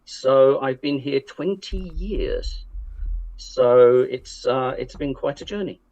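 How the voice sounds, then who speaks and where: A man introducing himself as a panel guest, wry and hesitant, pausing on many fillers. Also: medium pitch, darkish tone, lo-fi sound. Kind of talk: casual introduction.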